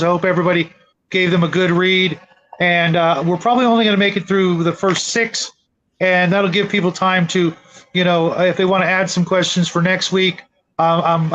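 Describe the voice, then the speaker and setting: A man's voice: high voice, a bit bright, slight background noise, low-quality recording. A middle-aged man hosting a casual livestream chat. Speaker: show host.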